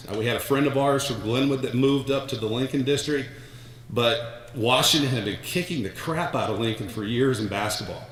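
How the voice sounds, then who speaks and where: A middle-aged American man gives a hall of fame acceptance speech in a large, echoey hall. His mid-range voice has a fairly bright tone, with a little hiss or hum on the recording. He rambles through stories, restarting often and repeating words.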